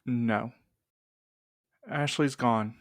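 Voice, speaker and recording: A man's voice: medium pitch, steady tone, very slow, no room sound, clean studio sound. An actor playing a weary, guarded young man in an audio drama, with a subdued, terse delivery. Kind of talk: naturalistic audio drama acting.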